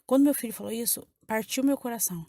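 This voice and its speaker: In a fairly high, warm voice, a woman with a Brazilian Portuguese accent speaks fast as she gives a church congregation an emotional testimony from her own life, repeating phrases as she goes. The recording is dry and of studio quality.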